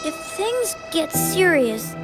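A woman's voice: very high-pitched, very animated, slow pace, over music, full character voice. A woman voicing a mysterious white cat spirit who guides the player, with a coy, secretive, teasing manner.

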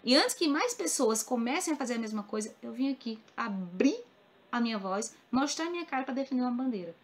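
A woman with a Ceará accent from northeastern Brazil speaks straight to her viewers as a crochet vlogger. Her voice sits a little high, and she talks earnestly and emphatically, circling back to repeat her points. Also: lively intonation, a little fast. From Cariri region of Ceará, northeastern Brazil. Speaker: crochet YouTuber. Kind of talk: casual talk to the camera.

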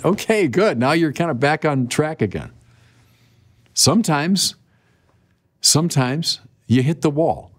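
Animated older man preaching a sermon. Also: on the high side. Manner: animated, conversational preaching with direct appeals. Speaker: bishop. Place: dim indoor studio.

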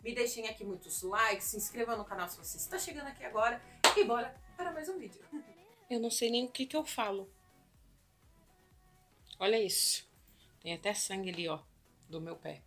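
Brazilian woman vlogger, bright and chatty, phone-recorded at home with faint music under it. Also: mid-range voice. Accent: Brazilian Portuguese. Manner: chatty, talks straight to viewers with many asides. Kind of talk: casual home vlog chat. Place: apartment at home.

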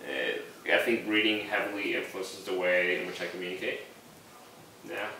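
A man's voice: sits low, flat delivery, moderate pace, pushed and bright, slight background noise. A man whose first language is Spanish, in casual, earnest podcast chat, talking motivation with many fillers. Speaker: podcast guest. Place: living room with couch. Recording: echoey room, mic far off.

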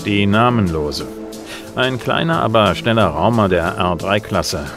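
An actor playing a self-assured, gruff bounty hunter in a science fiction radio play, dry and laconic. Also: male voice, lowish voice, animated, a little slow. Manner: laconic, dry, noir-style. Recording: music under the voice.

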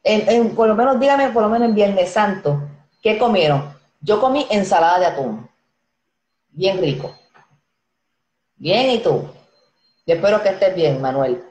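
A woman's voice: mid-range voice, expressive, unhurried, pauses often, darkish tone. A Dominican woman in her thirties with a Dominican Spanish accent, hosting a casual live stream, reading viewer comments in a friendly, chatty way. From Dominican Republic. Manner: chatty, friendly, reads names aloud and laughs easily. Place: small room indoors. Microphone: earphone headset mic. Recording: echoey room.

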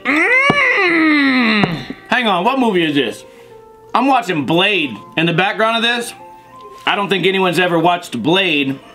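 A man's voice: high voice, creaky, bright, forceful tone. A young man hosting a casual food review vlog from his living room couch, blunt and crude with jokey asides, recorded by a tripod camera. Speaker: host.

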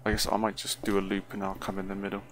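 A man's voice: low-pitched, monotone, racing. A man giving casual first-impressions commentary on a game, musing aloud hesitantly and often trailing off. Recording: clearly noisy recording.

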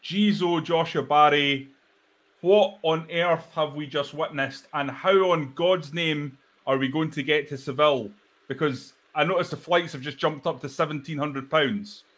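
A man in his thirties, hosting a live football reaction show from home over a video call, excitable and chatty with a croaky voice. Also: a little high, measured pace. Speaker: host. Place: home room, indoors. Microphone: webcam video call.

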